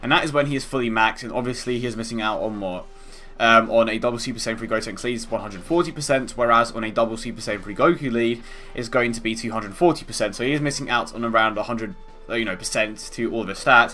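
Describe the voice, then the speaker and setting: Over noticeable background noise, a man rattles along at a very fast pace with medium pitch and ordinary pitch variation. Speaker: mobile game YouTuber. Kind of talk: gameplay commentary. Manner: animated.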